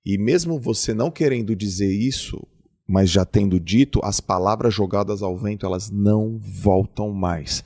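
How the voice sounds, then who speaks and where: Gravelly, husky man, emphatic host. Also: on the low side, normal speed. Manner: emphatic, animated storytelling. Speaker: podcast host. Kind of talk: casual conversation.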